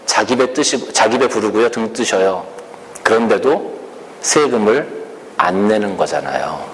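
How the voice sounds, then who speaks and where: A man preaching a sermon slowly and earnestly, asking the congregation rhetorical questions. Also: fairly low pitch, expressive, fairly bright tone. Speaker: pastor. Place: church sanctuary. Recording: reverberant church hall with faint room noise.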